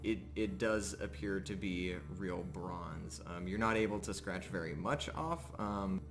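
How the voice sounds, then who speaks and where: Music underscores a man's narration as game master of a live tabletop game. His voice sits low, and he repeatedly pauses partway through sentences as he describes things.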